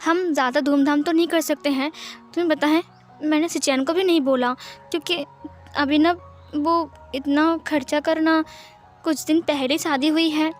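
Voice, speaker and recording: A woman's voice: high voice, fairly even intonation, normal speed, soft background music. A woman reading a fan fiction story aloud and speaking all the characters' lines in her own voice.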